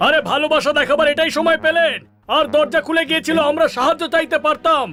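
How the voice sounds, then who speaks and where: An actor playing an excitable, complaining cartoon character with a dramatic, exclamatory way of talking. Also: male voice, very high voice, quick pace, soft background music. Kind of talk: dubbed children's cartoon acting.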